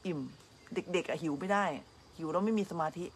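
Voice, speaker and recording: A woman meditation teacher giving a relaxed, chatty dhamma talk, telling stories with frequent laughter. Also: fairly low pitch, a little fast, a little hiss or hum.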